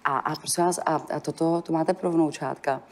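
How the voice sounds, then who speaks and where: Low-voiced chatty woman guest. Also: fairly even intonation, darkish tone. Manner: chatty, laughs often, stumbles and restarts. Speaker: singer, talk show guest. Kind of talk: casual chat.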